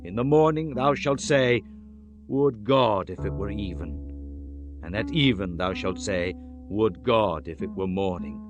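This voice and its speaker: A man's voice: lowish voice, unhurried. A man giving a solemn, declamatory dramatized audiobook reading of scripture in archaic English. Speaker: scripture narrator. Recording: music under the voice.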